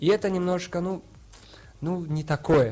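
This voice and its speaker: Somewhat breathy, this man talks at a moderate pace. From Tajikistan. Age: young. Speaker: singer. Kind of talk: radio interview. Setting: radio studio. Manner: hesitant, many fillers.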